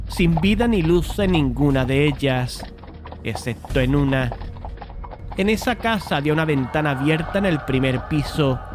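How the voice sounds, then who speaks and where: An actor playing a brooding painter who narrates a macabre tale in a measured, deliberate way, as in a dramatized horror audiobook. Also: male voice, a little high, background noise.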